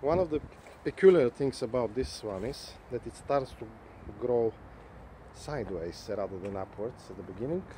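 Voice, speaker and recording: Amid light background noise in a dry space with no echo, a man with a non-native accent speaks at a medium pitch and moderate pace, with lively intonation, big swings in loudness, and long, frequent pauses. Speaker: gardening video creator. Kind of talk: casual garden tour tutorial. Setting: outdoors in a garden. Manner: light-hearted, rambling. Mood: light-hearted, relaxed. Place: garden. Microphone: phone near.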